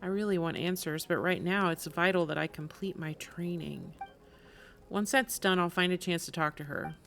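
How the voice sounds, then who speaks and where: Creaky, low-voiced woman streamer. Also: fairly even intonation, normal speed, fairly bright tone. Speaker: game streamer. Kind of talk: casual playthrough reactions and reading dialogue aloud.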